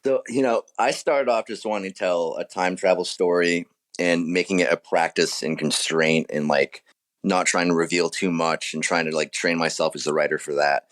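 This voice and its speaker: Guy w a deep voice, writer getting interviewed, chatty but thoughtful explaining his stuff. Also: fairly even intonation, moderate pace, a bit bright. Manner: reflective, explaining his own writing. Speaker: author being interviewed. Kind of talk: casual interview chat.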